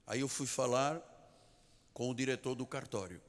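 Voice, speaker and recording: A man's voice: medium pitch, normal speed. A man with a Portuguese accent preaching a sermon as pastor, telling a story with emphatic repetition of key phrases. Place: large church sanctuary. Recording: long church reverb.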